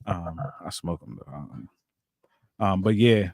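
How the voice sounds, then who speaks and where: A man's voice: low voice, lively intonation, takes it slowly, vocal fry, darkish tone, dry recording. A man hosting a casual studio chat, laid-back and full of slang, hyping up his guest. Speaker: host.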